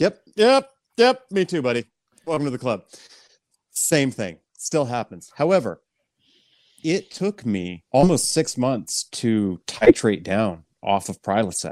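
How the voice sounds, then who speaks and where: A man with a Californian accent talks at a fairly slow pace, his pitch swinging very widely. The sound is dry and close with no echo, on a very clean recording with a silent background. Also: medium pitch for a man. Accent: Californian American. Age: 40s. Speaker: almond farmer. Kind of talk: casual chat.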